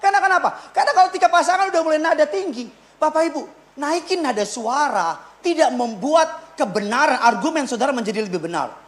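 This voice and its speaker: A male pastor preaching a sermon in a church, repeating his points with emphasis and swinging between loud punches and quiet asides. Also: very high voice, expressive, fast. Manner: emphatic, repeats key lines for the congregation.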